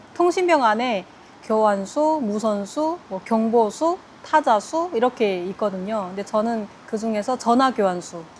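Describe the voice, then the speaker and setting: Noticeable background noise sits behind a woman's fairly high-pitched voice. She talks at a fairly slow pace with lively intonation. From North Korea, Ryanggang Province. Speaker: North Korean defector, former navy soldier. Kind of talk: interview.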